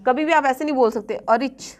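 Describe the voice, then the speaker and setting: A woman teaching a grammar lesson, mixing Hindi and English and often checking that students have understood. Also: high-pitched. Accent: Punjabi-influenced Hindi-English. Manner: checks in often with students, repeating examples slowly. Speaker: exam coaching teacher.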